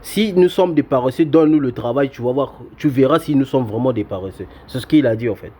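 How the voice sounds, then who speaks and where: A man's voice: mid-range voice, fast, warm tone. A man with a Congolese French accent hosting an online channel, explaining and translating a speech in a hesitant way. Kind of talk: commentary and translation.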